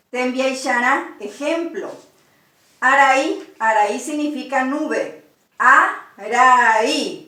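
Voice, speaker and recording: A woman teaching a language lesson, spelling out syllables slowly and repeating each example word. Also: sits high, a bit bright. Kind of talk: slow spoken language lesson. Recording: roomy echo, far from the mic.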